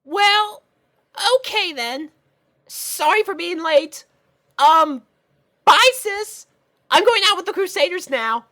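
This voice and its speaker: A squeaky little filly from a storybook cartoon, as put on by a woman. The voice sits far up high and swings about in pitch. The manner is flustered and meek, a shy little sister who hesitates. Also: expressive, takes it slowly, long pauses, bright, forceful tone, heavily acted. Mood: evasive, relieved.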